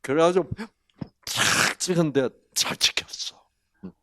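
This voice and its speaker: An older man with a Gyeongsang Korean accent giving a health lecture, folksy and animated, full of rhetorical questions. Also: fairly high pitch, a little slow, dry recording. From Gyeongsang region, Korea.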